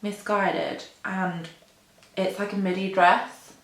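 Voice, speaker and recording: A woman's voice: mid-range voice, level tone, takes it slowly. A young woman in her twenties chats to camera while getting ready, drawing out her words unhurriedly. She rambles and pokes fun at herself, with plenty of fillers. Her voice rings a little in an echoey room. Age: 20s. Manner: rambling, self-deprecating, lots of "like" and "um". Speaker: beauty vlogger. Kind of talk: chatty get-ready-with-me rambling. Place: indoor room at a mirror.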